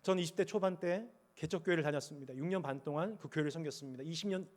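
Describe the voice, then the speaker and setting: Pastor type, man with a high voice, fervent pulpit preaching that goes from big cries to near-hushed confession. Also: quick pace. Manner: impassioned, swinging from loud cries to quiet confession. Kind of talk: sermon. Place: church sanctuary at the pulpit.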